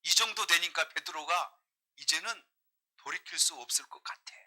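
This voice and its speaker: Bright-voiced preaching man. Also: a little high, moderate pace. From Jeolla, South Korea. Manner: emphatic, asks the congregation rhetorical questions. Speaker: pastor. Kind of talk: sermon with scripture reading.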